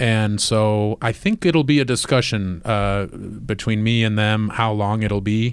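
Here is a man's fairly low pitch in an ordinary speaking voice, with an American accent and a fairly slow pace. His intonation is fairly even, his loudness very even, and the recording very clean against a silent background. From Chicago area. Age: 40s. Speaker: stand-up comedian.

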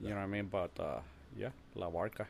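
With a Spanish accent, a man speaks fairly quickly at a fairly low pitch, his intonation fairly even. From Mexico, Jalisco. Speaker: wheel production manager. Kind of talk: casual chat. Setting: studio.

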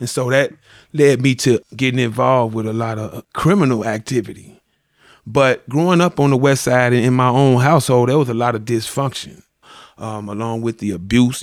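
Recorded very cleanly against a silent background, a man speaks at a fairly quick pace and a medium pitch with ordinary pitch variation. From Chicago. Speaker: recovery specialist, former prisoner. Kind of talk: interview, personal testimony.

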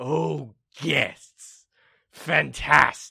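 A man puts on a character voice at medium pitch. It sounds raspy. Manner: excited, greeting guests.

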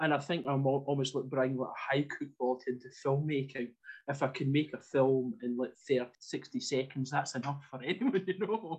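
With a Scottish accent, a man speaks in a fairly high pitch. His voice is somewhat breathy, and his pitch varies in an ordinary way. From Scotland, Ayrshire. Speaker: artist and folklore storyteller. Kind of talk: interview.

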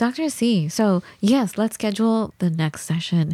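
With lively intonation and a dark, mellow tone, a woman speaks at a fairly slow pace in a dry, close sound with no echo on a very clean recording with a silent background. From immigrant, Farsi-speaking background. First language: Farsi and English. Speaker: podcast host. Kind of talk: casual chat. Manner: animated.

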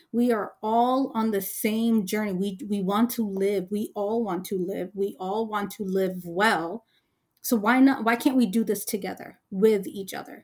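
A woman speaks in an ordinary speaking voice at a medium pitch and fairly slow pace. Her intonation is fairly even, on a very clean recording with a silent background. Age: 40s. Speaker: life coach and side-hustle entrepreneur. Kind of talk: interview conversation. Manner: repetitive false starts.

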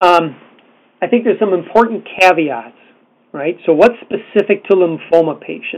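A man speaks at a moderate pace in a high voice. His intonation is lively. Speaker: hematologist-oncologist physician. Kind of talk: webinar presentation.

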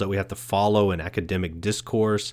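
A man with an American accent speaks in a very deep, low pitch on a very clean recording with a silent background. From East Texas. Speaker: college English professor. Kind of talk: recorded lecture. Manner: casual, conversational with laughs.

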